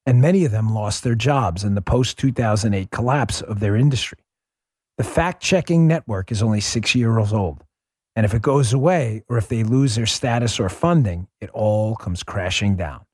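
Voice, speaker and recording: A middle-aged man hosting a political talk podcast, speaking emphatically into a studio microphone, calling his listeners folks and dropping his voice low for emphasis. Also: normal speed, slightly rough, no room sound. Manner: emphatic, swings loud and quiet for emphasis; addresses listeners directly as folks. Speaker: podcast host. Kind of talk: political talk show monologue.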